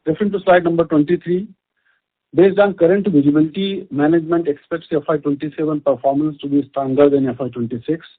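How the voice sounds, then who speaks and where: A man with an Indian accent reads a scripted corporate earnings presentation as a company executive, formal and measured, over a conference call line. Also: a little high, steady tone, slightly rough. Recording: muffled band-limited conference call audio.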